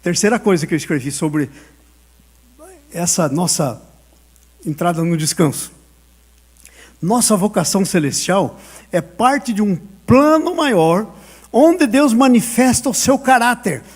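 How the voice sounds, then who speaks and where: A man's voice: high voice, lively intonation, unhurried, pauses often, breathy edge. A male pastor preaching a sermon, telling a personal story and acting out the dialogue with frequent laughter.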